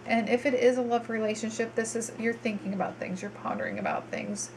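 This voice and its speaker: A woman's voice: on the high side, fairly even intonation, brisk, noisy background. A woman giving a chatty tarot reading to viewers, a bit stuffed up with a cold, with frequent ums and restarts. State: stuffy, congested. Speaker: tarot reader.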